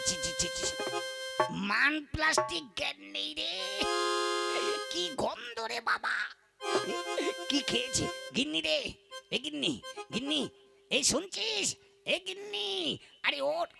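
A woman's voice: sits high, animated, unhurried, gravelly, exaggerated voice. A woman voicing a hysterical young husband in a comic folk puppet play, wailing and melodramatic. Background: folk instrumental music.

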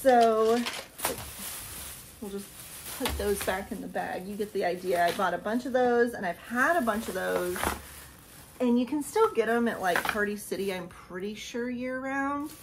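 Woman in her thirties, gravelly voice, a little hoarse, chatty and rambling, faint background noise. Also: medium pitch, moderate pace. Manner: chatty, rambling, laughs often. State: losing her voice. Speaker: vlogger showing a haul. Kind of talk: casual haul vlog. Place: small decorated room indoors.

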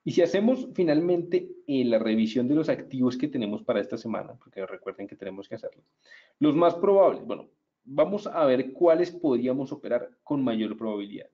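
A man's voice: medium pitch, animated, brisk, dull audio. A man presenting a live market analysis webinar, chatty and upbeat, talking straight to his viewers.

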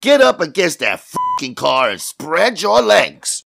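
A man's voice: high voice, huge pitch swings, a little slow, gravelly, noisy background, pitched above the performer's own voice, heavily acted. A man voicing a young, hot-tempered, foul-mouthed policeman in a harsh, roaring manner for an audiobook. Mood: enraged, roaring.

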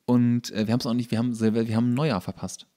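Podcast guy, casual rambling that keeps correcting itself, medium pitch. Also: flat delivery, quick pace, mellow. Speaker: podcast co-host. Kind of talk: casual chat, anecdotes.

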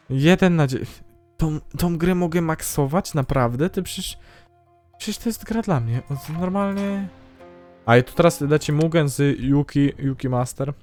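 A man's voice: fairly high pitch, a little mellow. A man hosting his gaming channel, giving casual let's-play commentary in a chatty, self-mocking way and talking to himself as he plays.

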